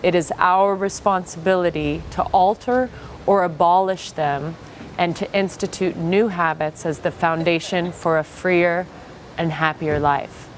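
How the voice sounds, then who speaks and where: A woman's voice: fairly low pitch, fairly even intonation, unhurried, a little hiss or hum. A woman reading a scripted inspirational manifesto aloud.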